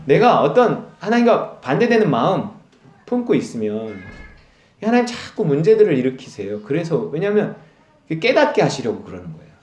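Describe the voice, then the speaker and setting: A man preaching a Sunday sermon with a lively, swinging voice that sits a little high. He tells stories and acts out dialogue with plenty of laughter. The sound carries the echo of a church hall. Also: moderate pace. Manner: animated storytelling, acts out quoted dialogue, laughs often. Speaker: pastor. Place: church sanctuary.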